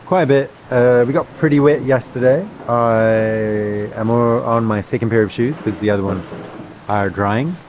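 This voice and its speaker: A man's voice: medium pitch, moderate pace. A man in his thirties chatting casually to a handheld camera as a travel vlogger, rambling with lots of fillers, first on a bus and then at an open-air eatery. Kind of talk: casual vlog narration to camera. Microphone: handheld camera at arm's length. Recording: muffled, with loud rain and traffic noise.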